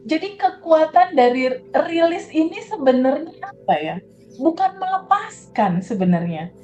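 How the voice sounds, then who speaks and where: Female coach with a higher voice, gentle and unhurried, faint music underneath. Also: big pitch swings. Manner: soft, slow, reflective, repeats words for emphasis. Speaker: guest coach on emotional release. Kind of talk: conversational interview.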